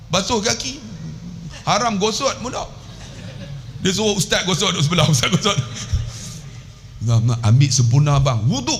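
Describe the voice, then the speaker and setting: A man's voice: high-pitched, a little hiss or hum. A Malaysian man giving a sermon in a small mosque hall, telling stories animatedly and acting out the voices of the people in them. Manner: lively storyteller, acts out voices and laughs. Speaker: preacher.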